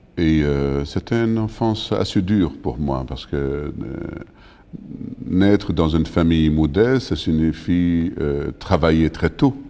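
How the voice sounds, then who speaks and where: A man's very deep, low voice with lively intonation at a very slow pace, plus noticeable background noise. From Iraq (Baghdad). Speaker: poet. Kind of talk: interview. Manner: hesitant, many fillers.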